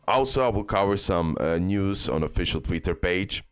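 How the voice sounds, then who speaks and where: A game video creator with a low, clear, resonant voice gives casual gaming advice at a moderate pace, sounding animated. He's emphatic and repetitive, often ending points with a short "okay?" to check in. Music plays in the background.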